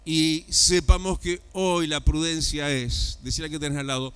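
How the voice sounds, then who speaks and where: A male pastor with a Uruguayan accent preaching in church, animated and exclamatory, with bursts and drawn-out words. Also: a little high, smooth, no echo. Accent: Uruguayan Spanish. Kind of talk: sermon.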